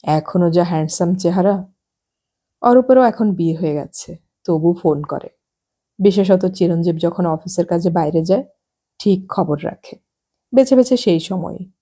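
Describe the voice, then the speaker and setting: Woman audiobook narrator, low, dark and husky, calm scripted novel reading. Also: moderate pace, pauses often.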